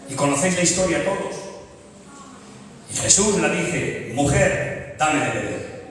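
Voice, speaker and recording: A man with a Spanish accent preaching a sermon in a large church, moving from quiet storytelling to loud, fervent calls. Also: slight background noise. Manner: builds from low storytelling to loud fervent shouting. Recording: echoey hall, distant mic.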